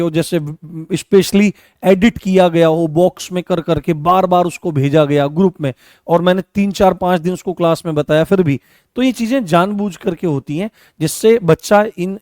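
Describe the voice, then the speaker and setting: A man teaching law in an online class, speaking to his students and slowly repeating phrases so they can write them down. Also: sits high, darkish tone, no echo, clean studio sound. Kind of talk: online class lecture with dictation.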